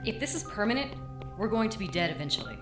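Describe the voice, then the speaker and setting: A woman's voice: medium pitch, very animated, quick pace, close to an everyday voice. A woman playing an anxious, fretful wanderer. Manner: fretful, voices fears aloud. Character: anxious, worried woman lost in dark halls. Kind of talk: audio drama acting. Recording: echoey room with music behind.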